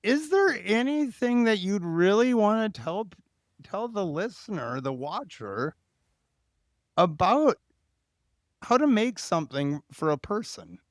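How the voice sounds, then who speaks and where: A man's voice: high-pitched, big pitch swings, measured pace, no room sound, clean studio sound. A man in his forties hosting a podcast in a casual, informal, conversational style. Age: 40s. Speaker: podcast host.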